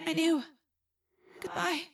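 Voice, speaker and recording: A brave young girl in an audiobook adventure voiced by a woman, pitched high above a normal speaking voice. She is earnest and pleading, facing doom with resolve. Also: flat delivery, takes it slowly, vocal fry, no echo, studio quality, faint music behind, exaggerated voice. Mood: resigned.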